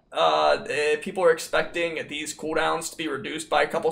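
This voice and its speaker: A man speaks at a fairly quick pace with noticeable background noise. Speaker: gaming video creator. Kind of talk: casual commentary video.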